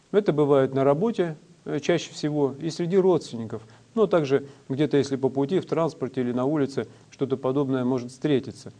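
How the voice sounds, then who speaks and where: A man preaching a sermon in a measured, instructive way, with frequent hesitations. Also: medium pitch, warm tone.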